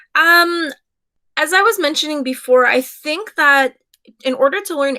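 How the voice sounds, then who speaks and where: In a raised, projected voice, a woman speaks with a Canadian accent and a bright, sharp tone. Her intonation is lively and her pace moderate. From Canada. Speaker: language teacher. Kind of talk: interview.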